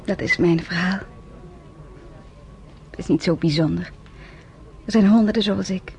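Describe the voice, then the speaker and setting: An actress playing a young Jewish woman survivor who narrates her own story in a radio play, softly and often close to a whisper. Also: on the low side, a little slow, a little hiss or hum. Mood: subdued, grave. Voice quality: soft-spoken, often near a whisper.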